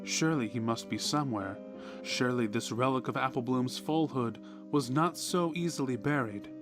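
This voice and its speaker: A man reading a scripted horror story in a measured, deliberate way, with dramatic pauses. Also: mid-range voice. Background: background music.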